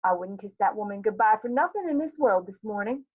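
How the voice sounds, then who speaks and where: A woman's voice: mid-range voice, sing-song, normal speed. A tired young mother from a stage drama, read by a woman. She is stern but loving, dry and clipped in her orders. The recording is thin and phone-like. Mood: teasing. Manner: scolding, dry, clipped commands.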